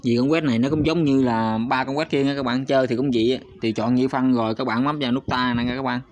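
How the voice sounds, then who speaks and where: A fast-talking YouTube channel host leads viewers through a screen recording, his medium-pitched voice keeping a fairly even intonation. His manner is chatty and hesitant, heavy on fillers and direct remarks to the audience, and the audio is slightly dull and lo-fi.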